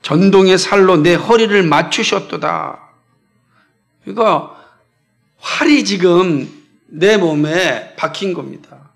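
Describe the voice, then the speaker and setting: A man's voice: sits high, takes it slowly, gravelly, pauses often, soft background music. A man from South Korea preaching a sermon as pastor, emphatic and firing repeated questions at the congregation.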